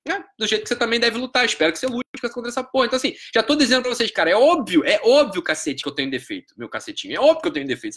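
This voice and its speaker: A man's voice: high-pitched, pushed and bright. A middle-aged Brazilian man giving a live-streamed lecture, emphatic and profane, with frequent rhetorical questions. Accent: Brazilian Portuguese.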